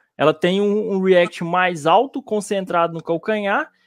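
A man speaks against a quiet background. The sound is dry, with no echo. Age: 30s. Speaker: football gear youtuber. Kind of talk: casual product chat. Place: home room. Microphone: video call.

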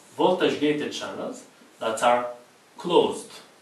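A man speaks with a non-native accent amid audible room echo. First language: not English. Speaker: physiology tutor. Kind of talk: lecture. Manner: informal, explanatory. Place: home room. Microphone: camera far.

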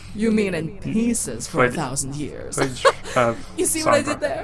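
A man's high, whiny put-on character voice with a whiny tone, at a moderate pace over clear background noise. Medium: cartoon. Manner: grandiose villainy that slides into petty, whiny sarcasm.

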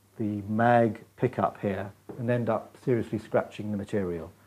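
Fairly even intonation carries this man's dark, mellow tone. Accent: British. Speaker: film transfer technician. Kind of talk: instructional demonstration. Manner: calm, slight lisp.

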